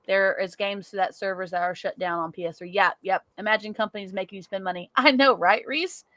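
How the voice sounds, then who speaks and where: A woman's voice: medium pitch, brisk, fairly bright tone, no echo. A woman co-hosting a casual gaming podcast, teasing her co-host and laughing often.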